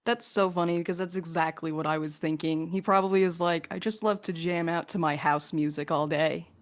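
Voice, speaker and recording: A woman's voice: lowish voice, fairly even intonation, fairly quick. A woman co-hosting a podcast, casually answering listener questions in a joking, casually sweary way. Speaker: podcast host and crew member.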